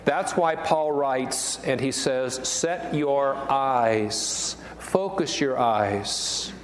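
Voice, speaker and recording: A man's voice: medium pitch, very slow, slight background noise. An older man, a pastor, preaching a sermon in an earnest, emphatic way and repeating his key phrases. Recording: echoey hall reverb, faint ambience.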